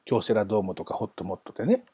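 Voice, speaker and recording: A man's voice: fairly low pitch, big pitch swings, racing, warm tone, breathy edge, dry recording. A man hosting a casual solo talk, chatty and self-amused, wandering off into asides. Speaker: podcast host.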